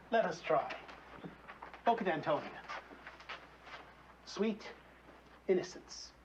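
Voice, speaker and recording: A man's voice: sits high, lively intonation, slow. An actor playing a domineering male film director who coaches his cast in commanding, theatrical pronouncements on dull, noisy audio. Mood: commanding, teasing. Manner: commanding, aphoristic.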